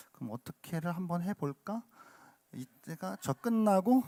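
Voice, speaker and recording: In a very clean recording with a silent background, a man talks in a high pitch. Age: 40s. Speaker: pastor. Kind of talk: Bible study lecture. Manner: conversational, rhetorical questions.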